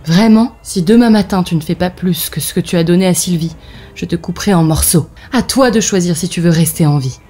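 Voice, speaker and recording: A jealous, demanding cartoon sister-in-law , acted by a woman, with a mid-pitched, dark-toned voice. Her delivery is emphatic and dramatic, over light music. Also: a little fast, husky. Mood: demanding, threatening. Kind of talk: children's fairy tale cartoon dialogue.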